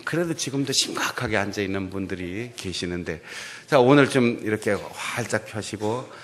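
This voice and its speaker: A male pastor giving a humorous, animated sermon in a church, playing with regional dialects. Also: on the low side, moderate pace. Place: church sanctuary.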